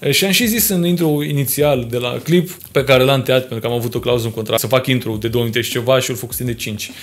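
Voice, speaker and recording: This man talks very fast at a medium pitch. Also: ordinary pitch variation. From Romania. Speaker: YouTuber. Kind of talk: casual vlog commentary. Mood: skeptical, warning tone. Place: home room. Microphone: studio mic.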